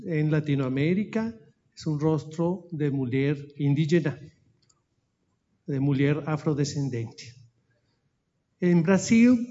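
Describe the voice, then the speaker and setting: Slow, halting man with a Spanish accent. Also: fairly high pitch, dark tone. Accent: Spanish-speaking, mixing Spanish into Portuguese. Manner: halting, searching for words. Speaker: speaker at an anniversary event. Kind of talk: formal presentation with slides. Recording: dull lo-fi audio.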